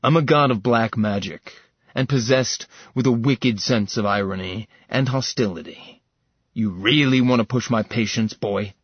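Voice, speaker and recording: A man's voice: mid-range voice, moderate pace, slightly rough, no echo, lo-fi sound, natural voice. A man voicing a cruel, contemptuous ancient god of black magic in an audiobook. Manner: contemptuous, menacing.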